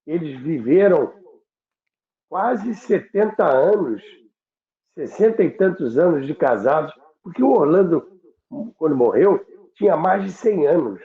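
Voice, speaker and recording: A man's voice: on the high side, expressive. Older Rio man, roomy phone-like sound. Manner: halting, repeats words, unhurried. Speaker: radio veteran and program host. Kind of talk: reminiscing conversation about radio history.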